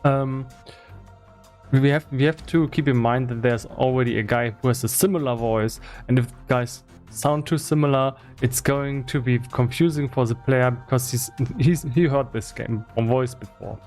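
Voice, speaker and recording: A man talking casually and explaining on a livestream, thinking aloud in a halting way, with as his language. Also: medium pitch, darkish tone, soft background music. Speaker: game developer streaming live. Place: indoor room with foam acoustic padding.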